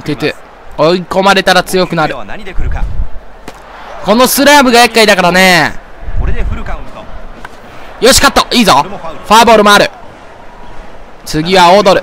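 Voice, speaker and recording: Excitable man ranting over games. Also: sits high. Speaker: gaming video host. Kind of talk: let's play commentary. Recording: game crowd noise behind.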